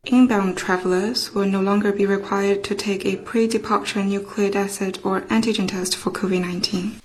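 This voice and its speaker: A woman giving a live interpretation of an official's words at a press briefing, in an even, measured way. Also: medium pitch. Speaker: interpreter for a government spokesman. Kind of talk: simultaneous interpretation, formal official wording.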